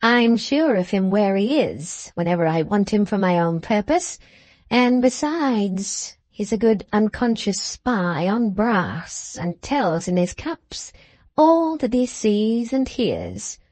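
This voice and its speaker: A woman performs a wicked dwarf husband from a classic storybook. He is mocking and menacing, savouring his words in a slow, emphatic drawl. The sound is dry, with little room around it. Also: mid-range voice, sing-song, a little mellow, no room sound. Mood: scheming, smug.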